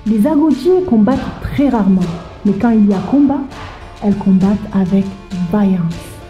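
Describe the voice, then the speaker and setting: A woman presenting a history explainer, lively and speaking directly to the viewer. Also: medium pitch, moderate pace, reverberant, dull audio, soft background music.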